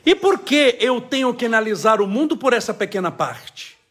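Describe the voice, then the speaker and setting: A man with a Brazilian accent talks casually but emphatically on a live stream from home, breaking into laughing asides. His voice is high and husky and swings widely in pitch. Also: animated, moderate pace, a bit bright. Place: home, caring for his child.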